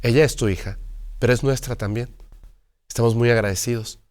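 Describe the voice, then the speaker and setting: A man quietly voicing a grateful alien couple living in human bodies, in a matter-of-fact tone. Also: mid-range voice, a little fast, lightly acted. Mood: calm.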